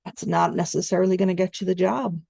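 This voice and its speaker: A woman coaching voice-over students in an online training session, explaining in a steady conversational way. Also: on the low side, fast talker, creaky, slightly rough, no echo, studio quality.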